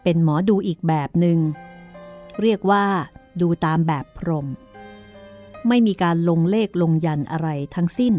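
A woman narrating a story in a slow, measured storytelling manner. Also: lowish voice, dark tone, soft background music.

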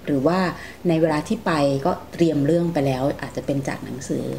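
Lower-pitched woman hosting an interview. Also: fast, creaky. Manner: gently prompting, calls herself "big sister" to young guests. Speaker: radio programme host interviewing two young sisters. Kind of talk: conversational interview. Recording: faint background noise.

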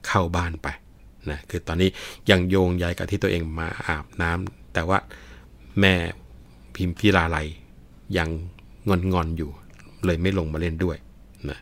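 A man's voice: low-pitched, fairly even intonation, unhurried, pauses often, a bit bright. A man telling a classic tale, explaining old sayings in a chatty, leisurely way to his listeners. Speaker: storyteller. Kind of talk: storytelling with idiom explanations.

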